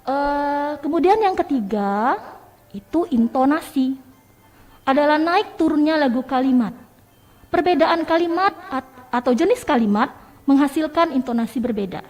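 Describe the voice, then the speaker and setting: A woman teacher giving a radio lesson, explaining step by step and addressing her listeners warmly as children. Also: high voice. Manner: explains step by step, calls listeners "nak" and "sayang".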